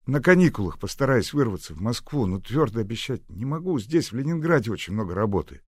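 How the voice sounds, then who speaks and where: A man's voice: medium pitch, big pitch swings, quick pace, breathy edge, no echo, clean studio sound, pitched above the performer's own voice. A man voicing an eager, caring young man on a long-distance call. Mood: reassuring.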